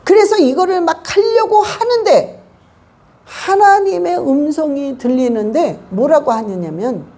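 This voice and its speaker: A woman's voice: sits high, a little slow. A woman pastor preaching a sermon in church, telling stories and acting out the people in them. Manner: animated storytelling, acting out quoted people.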